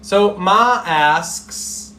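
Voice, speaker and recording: A man's voice: sits high, very slow, pushed and bright, slight background noise. A man teaching English on a live stream, encouraging his students and often checking in with "okay?". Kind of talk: live-streamed speaking lesson. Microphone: live stream mic. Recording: roomy echo.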